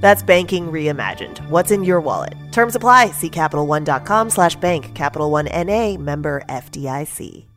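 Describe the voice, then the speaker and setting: A woman's voice: low voice, expressive, moderate pace, hardly any pauses, faint music behind. A woman reading a scripted bank ad in a playful, upbeat way. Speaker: ad announcer. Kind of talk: scripted radio ad.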